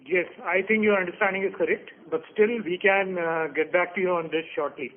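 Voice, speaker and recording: A company executive with a notably high voice answers questions on an earnings call. He corrects figures firmly and plainly. The sound is squeezed through a narrow phone line. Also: steady tone, fairly quick. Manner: firm, corrective with numbers.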